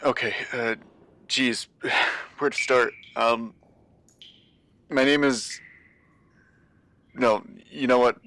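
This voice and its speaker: An actor playing an anxious, weary man taping a warning in an audio drama, halting and self-doubting as he rambles. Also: mid-range voice, fairly even intonation, bright, forceful tone, a little hiss or hum, heavily acted. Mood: hesitant, uneasy. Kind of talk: audio drama monologue as a taped message.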